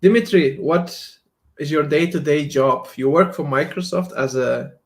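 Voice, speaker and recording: A male host runs a live online talk show over a video call. His voice sits slightly high, and he talks in a friendly, loose, rambling way. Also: moderate pace. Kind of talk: casual interview chat.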